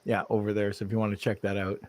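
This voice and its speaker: A man's voice: fairly low pitch, little pitch movement, rapid-fire, darkish tone. A man hosting a live podcast over a video call, chatting casually, rambling and laughing at himself. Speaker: podcast host. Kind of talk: casual live-stream chat.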